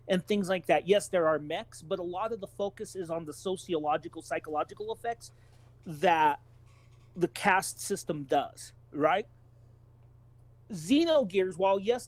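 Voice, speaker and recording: A man co-hosting a podcast, explaining his opinions analytically in casual, stop-and-start phrases. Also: on the high side. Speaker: podcast co-host.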